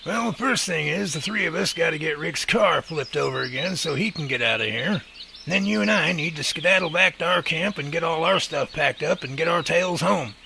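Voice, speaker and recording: An actor playing a feisty, folksy older professor with a blustery, sharp tongue in an audio drama. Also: male voice, on the high side, animated, normal speed, creaky, heavily acted. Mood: folksy, determined. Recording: noisy outdoor ambience with birds.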